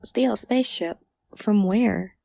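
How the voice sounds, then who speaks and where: Woman acting stubborn optimistic young gal, folksy, lots of vocal fry, dry audio drama recording. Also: medium pitch, measured pace, dark tone, no echo. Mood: casual. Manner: folksy, informal.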